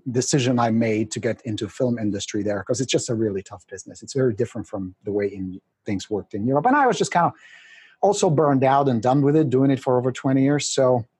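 A man's voice: medium pitch, fast, a little mellow, breathy edge, dry recording. A middle-aged man from Czechoslovakia, a guest on a podcast interview, telling his story in an exuberant, joking way.

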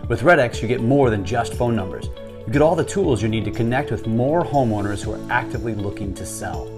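An announcer reading a sponsor ad in a smooth, even promotional delivery. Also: medium pitch, fairly quick, over music. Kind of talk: read sponsor ad.

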